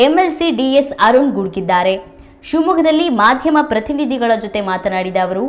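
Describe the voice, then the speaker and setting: A woman reading scripted news reports as a voice-over in an even, formal manner. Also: a little high. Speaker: news reader.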